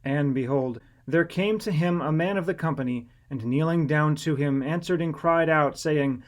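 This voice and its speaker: Male narrator for scripture audiobook, somewhat higher-pitched voice, measured and solemn delivery.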